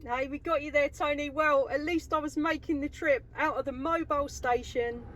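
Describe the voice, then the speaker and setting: A woman's voice: high-pitched, steady tone, normal speed. A woman radio operator making call-outs and exchanges from a mobile CB station. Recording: noisy CB radio transmission.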